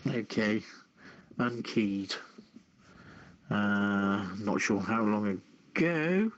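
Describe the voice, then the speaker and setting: A man hosting a live online radio show and reading out copy in a halting way, stumbling over his words. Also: on the low side, muffled recording.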